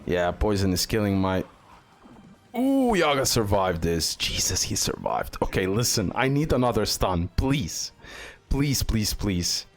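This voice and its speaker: A man's voice: lowish voice, big pitch swings, measured pace. A man giving casual, unscripted gameplay commentary as a video host, often repeating short phrases over and over.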